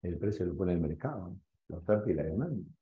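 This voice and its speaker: A Peruvian male economics teacher with a lively, swooping delivery who keeps firing questions at the class. His voice rings in an echoey room and comes through slightly dull and muffled. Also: low-pitched, quick pace. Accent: Peruvian Spanish. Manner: animated, questioning, storytelling.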